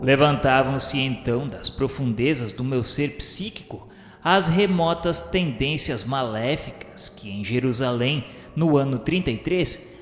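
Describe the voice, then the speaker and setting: A man's voice: mid-range voice, unhurried, lightly acted. An actor playing a vengeful, cruel former inquisitor confessing his crimes in solemn, theatrical radio-drama narration. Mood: cruel, remorseful. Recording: roomy reverberant studio, music underneath.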